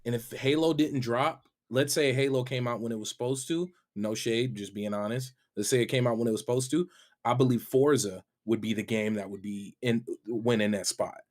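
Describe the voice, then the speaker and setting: A man's voice: mid-range voice, moderate pace, darkish tone. A man talking casually and giving his opinions as a panelist on a gaming show.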